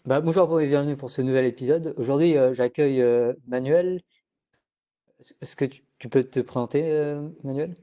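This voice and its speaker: A man's voice: mid-range voice, normal speed, warm tone. A man hosting a casual interview, asking questions with stumbling, repeated words. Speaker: host and interviewer.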